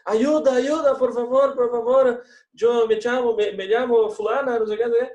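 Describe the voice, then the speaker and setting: A man voicing a lost young woman tourist pleading for help, high and loud, in an echoey room. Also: steady tone, moderate pace, natural voice. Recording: echoey room, mic at a distance.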